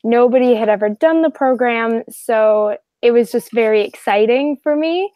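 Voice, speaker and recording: Teen girl, from Atlanta, earnest, a bit high, dry close sound. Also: moderate pace, dark tone, no echo. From Atlanta, Georgia. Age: teens. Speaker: program alumna. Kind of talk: casual remote video call.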